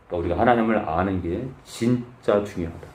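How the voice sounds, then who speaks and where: A man's voice with lively intonation at a moderate pace, in audible room echo. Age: 50s. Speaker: pastor. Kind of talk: sermon.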